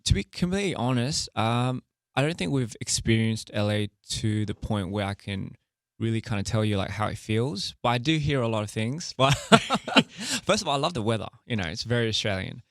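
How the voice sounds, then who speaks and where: A young man chatting candidly as an interview guest, loose and relaxed, full of fillers and laughing easily. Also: medium pitch, moderate pace, no room sound, studio quality. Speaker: interview guest, music artist and director. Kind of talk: casual interview chat.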